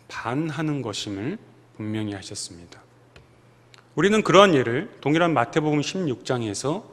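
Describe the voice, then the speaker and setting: A man preaching a sermon in a long-reverb church hall, his fairly high voice swinging widely up and down. He delivers it with emphasis and acts out the lines he quotes. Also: a bit bright. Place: church sanctuary.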